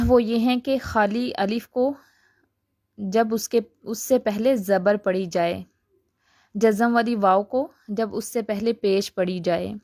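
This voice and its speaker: A woman at a middle pitch teaches a recitation lesson in a patient, steady way. She draws the example sounds out slowly and keeps checking that her students follow. The sound is dry and close, with no room echo. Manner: patient, repeats "theek hai" to check understanding. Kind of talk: explaining a lesson.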